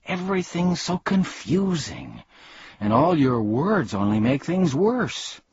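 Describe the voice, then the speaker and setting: 男子演绎的礼貌认真的小男孩,音调升高. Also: male voice, mid-range voice, big pitch swings, a little slow, husky, dry recording, lo-fi sound, voice pushed up, full character voice. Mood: confused, protesting. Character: polite, earnest, puzzled young boy, gently protesting. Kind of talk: storybook character reading.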